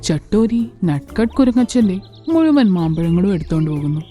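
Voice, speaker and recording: A woman's voice: mid-range voice, very animated, fairly quick, warm tone, soft background music. A woman narrating a children's story as a scripted storyteller.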